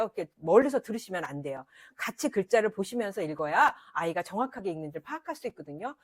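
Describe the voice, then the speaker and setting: A woman's voice: medium pitch, a little mellow, no echo. A middle-aged woman teaching parents about children's reading, talking in an emphatic way with frequent fillers. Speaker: literacy educator. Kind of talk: parenting advice lesson.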